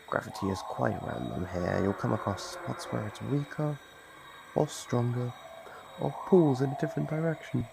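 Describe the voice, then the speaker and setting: A man voicing a playful, sadistic monster from under the bed in an ASMR roleplay, gravelly and breathy, savoring his slow, mock-gentle taunts. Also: on the low side, noisy background. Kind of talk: ASMR roleplay, scripted monologue. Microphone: close microphone.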